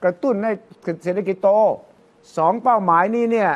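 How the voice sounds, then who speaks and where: Older male pundit, high-pitched, chatty storyteller who acts out quotes. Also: moderate pace, highs cut off. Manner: animated storytelling, quotes others in lively voices. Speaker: political commentator. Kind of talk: casual political discussion.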